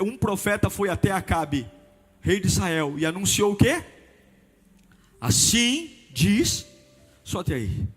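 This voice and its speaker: Male pastor, high voice, fervent sermon that swings between chanted shouts and hushed lines, faint music underneath. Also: breathy edge. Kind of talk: passionate sermon.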